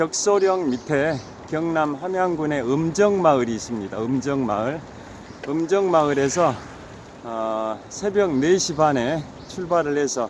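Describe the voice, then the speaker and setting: Amid noticeable background noise, a man with a fairly high voice speaks very slowly with lively intonation. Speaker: marathon runner. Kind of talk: casual vlog narration while cycling. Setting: outdoors.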